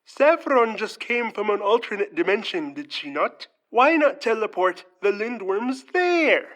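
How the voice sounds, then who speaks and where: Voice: medium pitch, very animated, a little slow, fairly bright tone. An actor playing a smug, scheming troublemaker with a pompous, formal drawl in an audio comedy. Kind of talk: audio fiction comedy acting.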